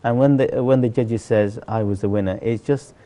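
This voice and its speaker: A middle-aged man from Sylhet, Bangladesh, a well-known chef, speaks as an interview guest in a dark-toned, mid-range voice with fairly even intonation at normal speed. He tells his personal story earnestly and conversationally, repeating phrases for emphasis.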